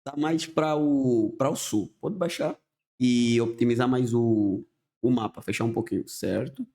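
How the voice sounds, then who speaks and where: Angolan man, podcast guest; warm low tone, measured explanatory delivery. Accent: Angolan Portuguese. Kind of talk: conversational interview.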